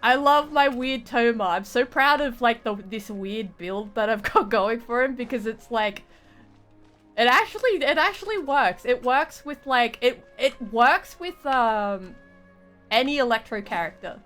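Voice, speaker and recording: A woman's voice: on the high side, unhurried, a bit bright. A woman chatting casually as she live-streams a video game, rambling and often restarting her phrases. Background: game music.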